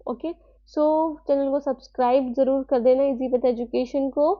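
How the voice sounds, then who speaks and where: A woman teacher giving an online class, reading English lines slowly and explaining them, with rhetorical checks to her students. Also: sits high, steady tone, dry recording, dull audio. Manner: asks rhetorical questions, tag "है ना".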